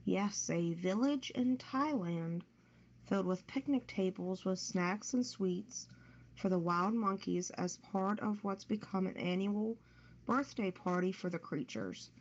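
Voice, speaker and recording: Slow-paced woman on muffled audio. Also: mid-range voice, a little mellow. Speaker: co-host presenting stories. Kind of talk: reading light news on a casual show. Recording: dull audio with faint background noise.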